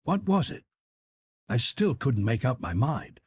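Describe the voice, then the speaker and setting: A man narrating a classic adventure novel in an expressive, scripted audiobook style. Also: medium pitch, unhurried, slightly rough, no echo.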